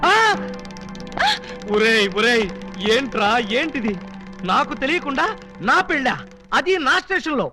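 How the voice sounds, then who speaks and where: A flustered comic cop. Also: male voice, very high-pitched, animated. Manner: quick comic denials and wordplay. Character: comic flustered male police officer dodging marriage. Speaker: police officer. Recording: film soundtrack with music behind.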